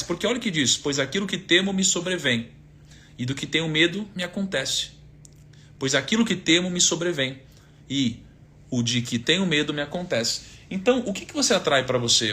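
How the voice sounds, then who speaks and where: A Brazilian man in his thirties talks through lessons on faith and money in a relaxed, teacherly way. His voice sits a little high and sounds bright and forward. He leans on rhetorical questions and quoted verses to make his points. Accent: Brazilian Portuguese. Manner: conversational, asks rhetorical questions, quotes scripture. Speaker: finance speaker giving a faith-based talk. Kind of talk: casual teaching talk, live stream.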